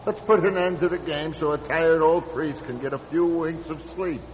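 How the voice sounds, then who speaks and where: An actor playing a tired, wry, stubborn old Catholic priest in an old-time radio drama, given to grumbling and exclaiming. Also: male voice, fairly high pitch, moderate pace, natural voice. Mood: weary muttering. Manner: muttering to himself, exclaiming, evasive. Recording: dull, noisy radio recording in echoing hall.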